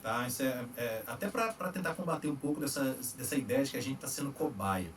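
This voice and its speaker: A man with a Brazilian Portuguese accent hosting a casual chat, explaining vaccine trials in a relaxed, slangy way with frequent tag questions. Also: mid-range voice, a little fast, far from the mic, a little hiss or hum. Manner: relaxed, slangy, lots of "tá?" tags. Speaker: host answering viewer questions on vaccines.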